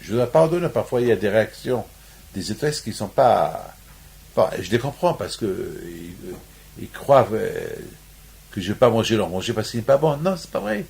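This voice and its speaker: A man's voice: lowish voice, sing-song, moderate pace, creaky, darkish tone. A man from Morocco giving a sermon on the weekly Torah portion, restating his points over and over and rising into emphatic peaks. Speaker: rabbi.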